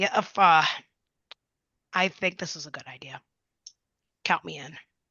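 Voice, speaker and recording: A put-on character voice sounds raspy at a middle pitch. The pace is moderate. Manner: bravado, confident.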